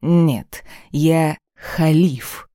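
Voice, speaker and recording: A man's voice: on the high side, mellow, dry recording, clean studio sound. A reader putting on a menacing male caliph. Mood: mocking. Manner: menacing, slow and commanding. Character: domineering cruel male caliph, adult, mocking. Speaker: desert ruler holding the heroine captive.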